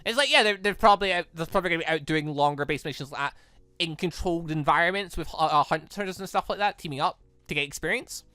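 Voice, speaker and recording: A man's voice: fairly high pitch, fast, pushed and bright, no echo. A man giving casual let's play commentary in a rambling way, often correcting himself on a close mic. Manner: rambling, self-correcting asides. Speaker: gaming video host. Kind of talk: casual let's play commentary, reading visual novel dialogue aloud. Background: game music.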